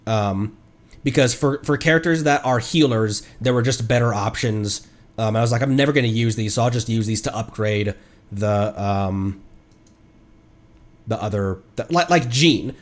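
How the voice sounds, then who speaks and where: A man's voice: on the low side, normal speed. A man livestreaming a video game with casual, rambling commentary, thinking aloud as he plays. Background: video game music.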